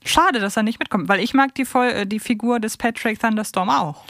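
A woman's voice: on the high side, brisk, fairly bright tone, no echo, studio quality. A woman co-hosting a podcast, chatting casually and giving her own opinions candidly. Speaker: podcast co-host.

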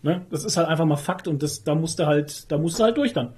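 A man with a somewhat high-pitched voice. He talks in a loose, conversational way, as a co-host bantering on a podcast. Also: quick pace, a little mellow, a little hiss or hum. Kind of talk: casual banter.

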